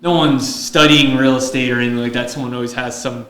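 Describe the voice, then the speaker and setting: A man hosting a podcast in casual chat, speaking haltingly and often repeating his phrases. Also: mid-range voice, steady tone, a bit bright. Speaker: podcast host. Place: indoor room, podcast recording. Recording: echoey room.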